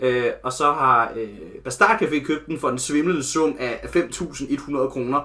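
A man's fairly high voice moves at a very slow pace, with ordinary pitch variation. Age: 20s. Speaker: larp community admin. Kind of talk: podcast interview.

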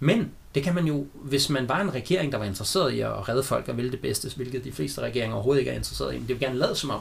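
A man at a very fast pace, with lively intonation and vocal fry. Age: 40s. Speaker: IT specialist and activist. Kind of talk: casual chat.

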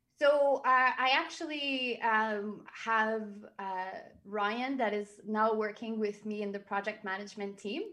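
The voice has a bright, sharp tone, ordinary pitch variation and a fairly slow pace. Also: woman, fairly high pitch for a woman. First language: French. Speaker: business professional, client manager. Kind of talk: casual live interview. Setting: live online stream.

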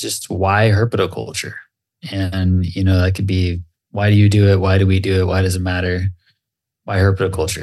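A man with an ordinary speaking voice talks at a moderate pace. His pitch sits fairly low. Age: 30s. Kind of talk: casual interview; sponsor reads.

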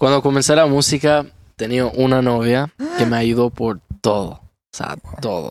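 With ordinary pitch variation and a medium pitch, this man keeps a moderate pace. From Canada, English-speaking side, Venezuelan parents. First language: English (speaking Spanish). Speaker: musician and TikToker. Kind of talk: podcast interview.

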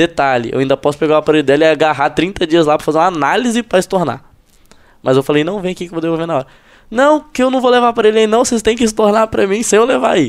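A man's high-pitched voice races along very fast, his pitch swinging very widely. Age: 20s. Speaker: young entrepreneur. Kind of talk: casual chat.

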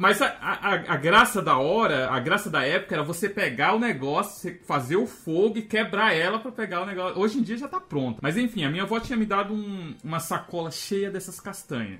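Raising and projecting his high-pitched voice, a man speaks at a fairly quick pace with hardly any pauses and lively intonation over noticeable background noise. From interior of Pernambuco, Brazil. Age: 30s. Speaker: podcast co-host. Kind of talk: casual chat.

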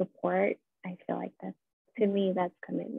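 A woman is speaking. She has an Iranian accent. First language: Farsi. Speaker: marriage and family therapist. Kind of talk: casual interview.

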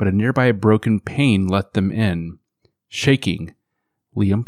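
A natural reading voice over a quiet background, with pitch moving in an ordinary way

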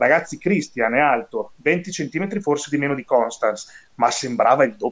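With an ordinary speaking voice, a man talks at a fairly slow pace in a fairly high pitch, using ordinary pitch variation. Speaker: bodybuilding athlete. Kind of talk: casual chat.

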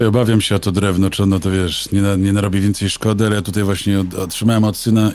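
Noticeable background noise sits beneath very fast speech. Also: man. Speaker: podcast host. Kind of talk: casual chat. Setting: live stream.

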